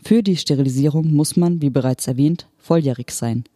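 A reader voicing an unfeeling hologram official who speaks in a calm, matter-of-fact, bureaucratic manner. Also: medium pitch, fairly quick, no echo, clean studio sound, natural voice. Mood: detached. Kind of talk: audiobook character voice.

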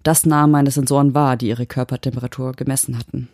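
A woman from Germany reading a dark short story in even, measured narration. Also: very deep voice, dry recording, studio quality. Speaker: audiobook reader. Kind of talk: scripted narration.

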